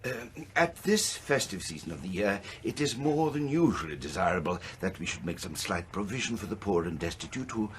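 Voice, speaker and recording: A genial gentleman charity collector in a radio drama, with very lively intonation. He speaks formally and courteously, halting now and then, over clearly audible background ambience. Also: sits low, slight background noise. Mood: earnest, genial.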